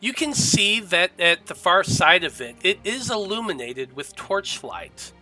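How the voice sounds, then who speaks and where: A man narrating a tabletop game as game master, describing scenes in a halting, measured way. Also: sits high, sing-song, bright, forceful tone, faint music behind, poor audio.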